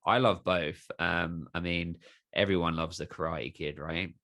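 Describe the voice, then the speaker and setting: A man hosting a podcast, asking questions in an earnest, musing way and building them up slowly. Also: sits low, fairly even intonation, a bit bright, dry recording, studio quality. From United Kingdom. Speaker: podcast host. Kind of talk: casual interview chat.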